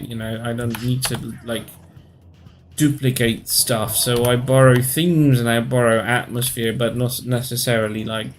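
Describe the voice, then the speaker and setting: Chatting on a live stream in Polish-accented English, a thirty-something man from Poland keeps pausing as he searches for words. His voice sits in the mid-range, and a slight hiss or hum runs under the recording.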